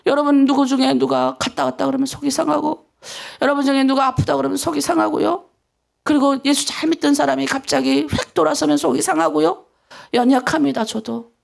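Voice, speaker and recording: A woman's voice: high voice, fairly even intonation, fairly quick, gravelly. A woman pastor from North Korea with a North Korean accent, preaching an emphatic dawn prayer sermon and acting out pleading prayers.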